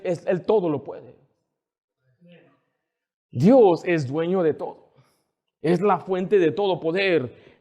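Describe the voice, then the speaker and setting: A man's voice: high-pitched, darkish tone. A male pastor preaching a sermon with fervent, emphatic repetition.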